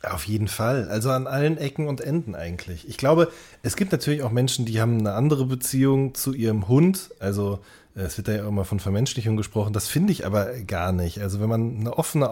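Reflective German man with a mid-pitched voice. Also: warm tone. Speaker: podcast co-host. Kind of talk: casual podcast chat.

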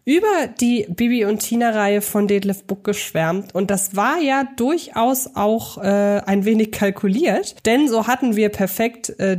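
A woman talks as a podcast co-host. Her pitch sits in the middle of the female range, and she explains things conversationally in long, winding sentences. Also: a little mellow. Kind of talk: conversational film podcast talk.

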